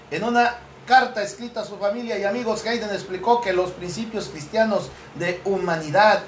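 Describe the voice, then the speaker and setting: High-voiced man hosting a Catholic talk show. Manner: joking, laughs often, reads news aloud. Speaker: host. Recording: roomy with faint background noise.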